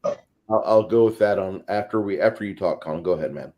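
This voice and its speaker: A man's voice: low-pitched, fairly quick, warm tone. A man speaking as a podcast co-host and game master, emphatic and profane, telling vivid stories in a casual panel talk.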